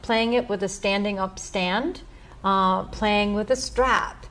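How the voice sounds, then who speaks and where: A woman's voice: medium pitch, slow pace, fairly bright tone, slight background noise. A woman, a musician and teacher, talking casually and with enthusiasm. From United States. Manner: enthusiastic, talkative. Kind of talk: casual interview talk.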